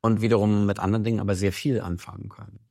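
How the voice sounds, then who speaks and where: A man with a very deep voice talks as a musician guest in a radio studio. He speaks in a measured, reflective way and often opens with "also". The sound is dry and close. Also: flat delivery, vocal fry, dark tone, no room sound. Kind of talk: radio interview.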